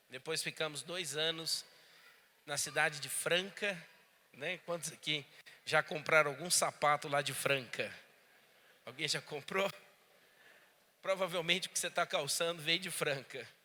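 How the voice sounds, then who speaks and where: A man with a Goiás accent talks at a fairly slow pace with long, frequent pauses, his fairly high voice bright and sharp in tone and his intonation fairly even. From Brazil, Goiás. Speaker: pastor. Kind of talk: sermon. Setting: church conference with audience.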